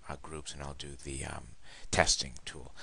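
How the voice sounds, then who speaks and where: A man's very deep, low voice with a bright, sharp tone, vocal fry, monotone, flat intonation and a fairly quick pace. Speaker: instructional technology trainer for teachers. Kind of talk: tutorial. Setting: at home. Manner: soft-spoken; halting.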